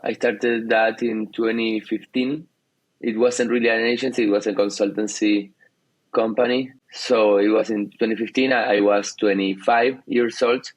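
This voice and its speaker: Argentine man, 30s, interview guest, lowish voice, dry close sound, halting delivery with fillers. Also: flat delivery, no echo, poor audio. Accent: Argentine Spanish. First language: Spanish. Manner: hesitant, many fillers and restarts. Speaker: guest entrepreneur. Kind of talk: casual interview talk.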